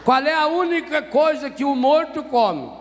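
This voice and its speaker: A Brazilian Catholic priest preaching a sermon, telling a story with humor and asking the congregation questions. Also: male voice, very high voice, animated, normal speed. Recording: reverberant hall with faint noise.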